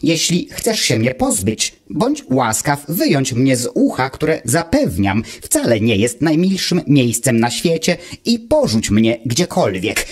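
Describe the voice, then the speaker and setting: A man voicing a calm, pedantic male mechanical friend who lectures with cold, measured reasoning, in an audiobook reading of a fairy tale. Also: mid-range voice, slightly rough, exaggerated voice. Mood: offended.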